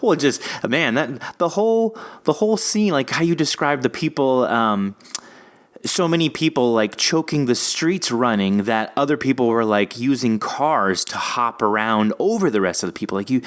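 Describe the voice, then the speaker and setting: A man's voice: medium pitch, animated, normal speed. A man hosting a podcast, thinking aloud earnestly in a casual discussion. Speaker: podcast host. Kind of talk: casual discussion of an audio drama episode.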